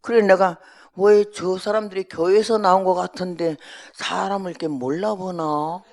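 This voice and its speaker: Gravelly-voiced old woman missionary. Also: fairly low pitch. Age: older. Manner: lively storytelling, acting out dialogue. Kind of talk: testimony sermon.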